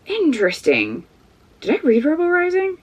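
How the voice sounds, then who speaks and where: A woman's voice: high-pitched, huge pitch swings, normal speed, a little mellow, highs cut off. A woman vlogging at home, chatting casually and rambling through frank book opinions, sniffly and losing her voice. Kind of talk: casual book review chat.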